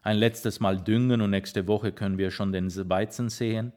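A man voicing an earthy, devoted old farmer in an audiobook reading, calm and grave. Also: on the low side, normal speed, close to an everyday voice. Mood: earnest.

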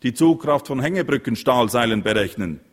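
A man's voice: medium pitch, animated, brisk, slightly rough, in a large hall, voice pushed up. A man voicing a mocking, grumpy mayor. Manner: mocking, rattling off questions. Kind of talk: audiobook reading.

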